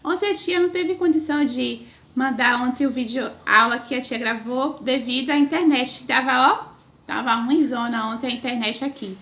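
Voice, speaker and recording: A woman's voice: high voice, normal speed, a bit bright. A woman teacher from Northeast Brazil, talking affectionately to young children in a video lesson and stretching her words for them. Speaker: primary school teacher.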